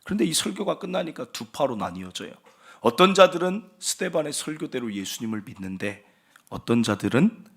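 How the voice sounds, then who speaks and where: Man preaching, lively swooping pitch, husky voice, loud emphasis then hushed asides. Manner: storytelling with acted quotes, swinging between loud emphasis and hushed asides. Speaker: pastor. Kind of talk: sermon. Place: church sanctuary.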